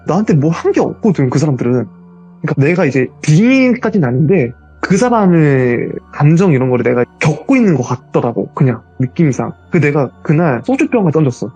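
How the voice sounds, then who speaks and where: A man telling his own ghost story as a guest, in a casual, animated retelling. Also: fairly high pitch, a little fast, slightly rough, lo-fi sound, faint music behind.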